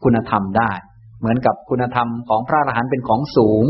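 A man, a Buddhist monk teacher, giving a calm, gentle dharma talk and answering questions. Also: medium pitch, phone-quality sound, slight background noise. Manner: calm, unhurried, gentle explaining.

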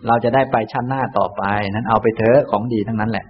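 A man, a Buddhist monk teacher, giving a calm, gentle dharma talk and answering questions. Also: mid-range voice, muffled recording. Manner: calm, unhurried, gentle explaining.

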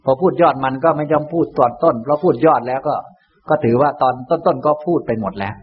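A man, a Buddhist monk teacher, giving a calm, gentle dharma talk and answering questions. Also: mid-range voice, husky, narrow, tinny audio. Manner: calm, unhurried, gentle explaining.

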